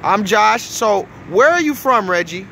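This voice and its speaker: A man's voice: sits high, animated, unhurried, vocal fry, pushed and bright, slight background noise. A man hosting a casual interview who talks in a friendly way and repeats his guest's answers back to him. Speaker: host.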